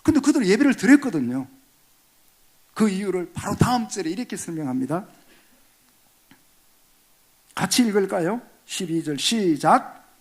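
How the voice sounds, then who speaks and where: A man's voice: high voice, big pitch swings, moderate pace, long pauses, darkish tone. A male pastor preaching a sermon in a church, reading scripture and acting out complaints to God. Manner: reads scripture aloud, acts out complaining believers in raised voice. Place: church sanctuary.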